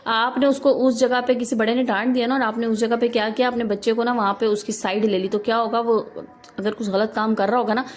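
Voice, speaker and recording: A woman's voice: fairly high pitch, darkish tone. A woman in her thirties from Pakistan, speaking with a Pakistani Urdu accent, gives earnest, instructive family advice straight to her viewers in a casual vlog. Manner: earnest, instructive, addresses viewers directly with frequent rhetorical "na". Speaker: housewife vlogger. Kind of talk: advice talk to camera.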